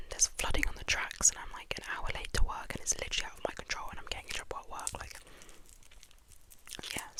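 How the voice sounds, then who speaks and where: A woman whispers over noticeable background noise. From London, UK. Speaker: ASMR creator. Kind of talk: casual talk to camera, ASMR ramble. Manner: whispered, soft, chatty.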